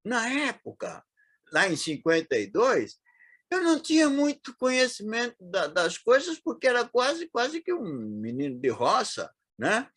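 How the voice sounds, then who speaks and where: A man in his eighties with a São Paulo accent, reminiscing as an interview guest, talking haltingly with frequent restarts and fillers. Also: very high voice, huge pitch swings, a bit bright, husky, no room sound, studio quality. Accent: Paulistano Brazilian Portuguese. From São Paulo, Brazil. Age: 80s.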